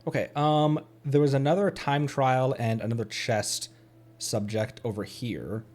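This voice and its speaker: A man streaming a game with casual commentary, playful and excitable in the way he talks. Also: medium pitch, measured pace, faint music behind.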